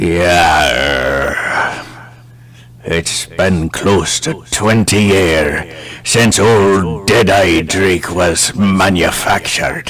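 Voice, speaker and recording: A raspy, cartoonish character voice from a man, very deep and low in pitch, at a very slow pace over clear background noise. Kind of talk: TV commercial read.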